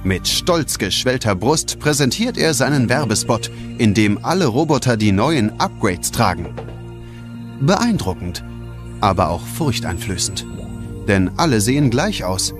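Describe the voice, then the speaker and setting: A man's voice: mid-range voice, big pitch swings, measured pace. A man narrating a scripted children's audio play as a dramatic storyteller. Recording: music behind the voice.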